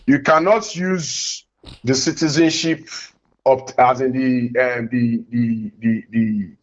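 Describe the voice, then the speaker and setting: A man's voice: medium pitch, fairly even intonation, takes it slowly. Insistent Nigerian man on dull lo-fi audio. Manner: insistent, repeats phrases while pressing his point. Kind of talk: heated religious debate.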